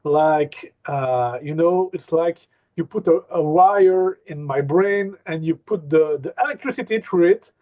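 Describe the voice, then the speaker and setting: A man's voice: on the high side, measured pace, phone-quality sound. A man, a hypnosis trainer, telling a personal story in a casual interview, hesitant with many fillers and repeats.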